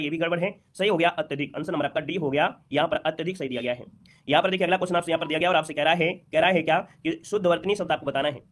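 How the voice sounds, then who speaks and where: A fast-talking man teaching an exam-prep lesson with a slightly high voice. He repeats each point and keeps asking students whether they follow, quizzing them with rhetorical questions. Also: a bit bright. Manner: repeats points with checking tags.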